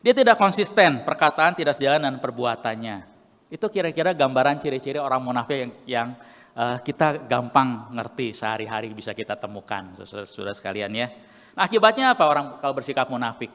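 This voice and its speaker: A man's voice: medium pitch, animated, quick pace, a bit bright. A male pastor preaching a sermon, asking rhetorical questions and calling out to the congregation. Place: church sanctuary. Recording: church hall reverb.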